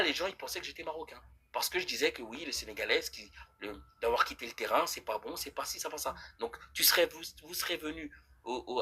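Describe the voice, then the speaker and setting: A man live-streams, arguing heatedly yet casually with his chat in a husky, mid-range voice. He's animated and argumentative, with many restarts.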